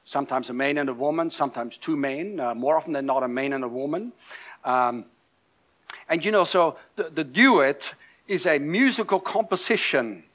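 A man's voice: on the high side, animated, normal speed, a bit bright. Austrian-accented man preaching a sermon. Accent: Austrian German. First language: German. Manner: conversational, rambling with fillers and restarts. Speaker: pastor.

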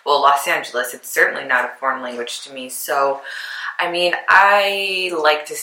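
Woman from Arizona, casual teasing chat, bright forceful tone, roomy echo. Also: deep voice, moderate pace. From Arizona, USA. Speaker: vlogger, expat in Mexico.

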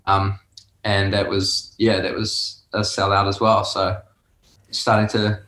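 A man's voice: lowish voice, completely flat delivery, slow, a bit bright, reverberant, rough recording. A man in a band, guesting on a podcast over a remote call and giving short, offhand answers. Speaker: musician guest. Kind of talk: casual interview chat.

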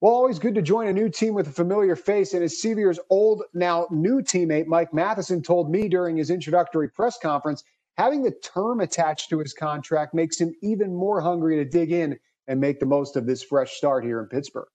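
Man hosting a sports podcast, mellow. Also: a little high, brisk, dull audio. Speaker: podcast host. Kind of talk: scripted sports podcast narration.

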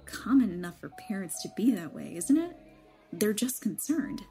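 A woman's voice: medium pitch, big pitch swings, normal speed, mellow. A woman playing a probing young woman of twenty-one in an audio drama, outwardly light and secretly uneasy. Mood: earnest, pressing. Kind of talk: naturalistic audio drama acting. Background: background music.

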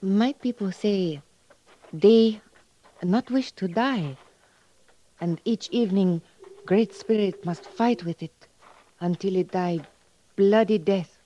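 An actress playing a young Native American woman in a radio drama, earnest and softly curious, speaking halting, simple, solemn broken English. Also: fairly low pitch. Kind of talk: 1950s radio drama acting. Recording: muffled vintage radio recording.

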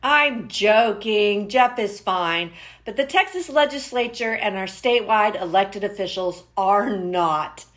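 Female podcast narrator, medium pitch, mock-solemn scripted delivery over clear music bed. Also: a little slow, fairly bright tone.

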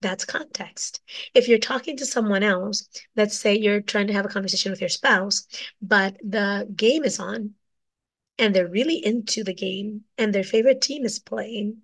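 A woman with a hoarse, raspy voice from a cold, teaching communication skills alone in her office and checking in often with "right?". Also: mid-range voice, normal speed, fairly bright tone. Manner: asks "right?" after most points. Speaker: communication coach. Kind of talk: solo teaching talk.

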